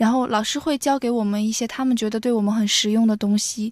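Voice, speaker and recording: At a fairly quick pace, a woman speaks with a fairly high, somewhat breathy voice and fairly even intonation, the sound dry with no echo and the background quiet. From northern mainland China. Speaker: exchange student; radio guest. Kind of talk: interview. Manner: hesitant, many fillers. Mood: friendly, relaxed. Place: studio. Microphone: studio mic.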